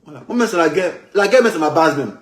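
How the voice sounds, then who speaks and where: A man with an Ivorian French accent speaks quickly in a slightly raised voice. He loops back over his own phrases and keeps the talk animated and rambling. His voice comes through an echoey room. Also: on the high side. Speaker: man in a circulated video clip. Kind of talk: rambling street commentary.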